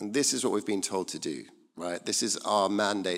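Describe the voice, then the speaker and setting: He has a plain, everyday voice, fairly low in pitch, with ordinary pitch variation. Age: 20s. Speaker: church speaker. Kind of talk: sermon. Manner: casual.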